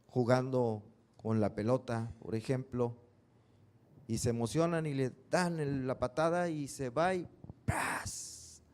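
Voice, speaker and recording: A man's voice: mid-range voice, a little mellow. A male pastor preaching a sermon, earnest, with rhetorical questions and vivid stories.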